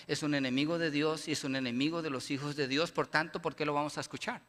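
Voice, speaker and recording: A man's voice: a little high, pushed and bright. A middle-aged male pastor, preaching an impassioned sermon full of emphatic rhetorical questions in a church. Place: church sanctuary. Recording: long church reverb.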